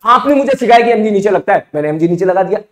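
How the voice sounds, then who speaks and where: A man's voice: high voice, animated, rapid-fire. A man voicing an innocent young male student who earnestly defends himself, mixing in English terms. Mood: innocent protest. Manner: protesting earnestly in mixed Hindi and English.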